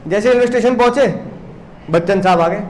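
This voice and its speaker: High-pitched male teacher who makes a lively, story-driven classroom lecture. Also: fairly quick, a little hiss or hum. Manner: animated storytelling, teasing the students. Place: classroom with students.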